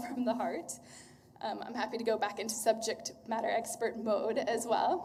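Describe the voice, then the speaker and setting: A woman with a fairly high voice speaks at a moderate pace amid noticeable background noise and audible room echo. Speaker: LGBTQ advocate. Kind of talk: public comment speech. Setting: city council chamber.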